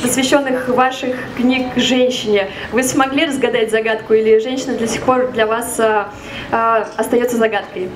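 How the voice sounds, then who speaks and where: A woman moderating a public question-and-answer session at a book event with a handheld mic, pausing on fillers as she asks questions. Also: fairly high pitch, steady tone, noisy background. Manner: hesitant with many fillers. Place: large bookstore event hall. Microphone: handheld microphone. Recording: echoey hall, recorded from far off.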